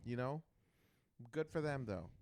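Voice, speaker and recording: A young man co-hosting a podcast, chatting casually in a loud, excitable and profane way. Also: medium pitch, measured pace. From Canada. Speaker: podcast co-host.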